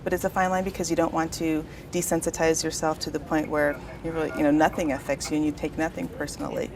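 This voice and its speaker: Very gravelly, lower-pitched woman being interviewed. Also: flat delivery, fast talker. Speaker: dispatch trainer and interviewee. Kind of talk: explanatory interview talk. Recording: busy chatter behind the voice.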